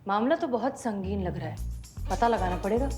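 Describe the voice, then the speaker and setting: An actress playing a composed, shrewd woman station chief who speaks in a soothing, measured way in a TV serial. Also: mid-range voice, lively intonation, over music, lightly acted. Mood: calm authority. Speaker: police station chief Madam Sir. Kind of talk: TV serial acting.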